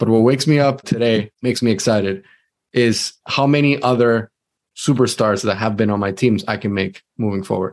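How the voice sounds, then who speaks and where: At a moderate pace, a man with a Venezuelan accent talks at medium pitch with ordinary pitch variation. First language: Spanish. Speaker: sales leader. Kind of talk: casual interview chat.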